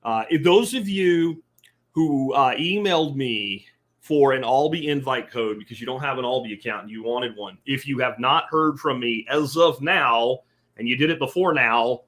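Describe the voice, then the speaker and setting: A middle-aged man from central Pennsylvania hosts a podcast with a medium-pitched, fairly bright voice. He talks in a casual, folksy, emphatic way, sponsor reads included.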